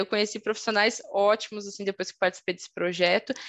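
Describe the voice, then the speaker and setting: A woman with a fairly high pitch speaks in a southern Brazilian accent. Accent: gaúcho (southern Brazilian). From southern Brazil, Porto Alegre. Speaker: cloud computing instructor and tech speaker. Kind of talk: conference talk. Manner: animated.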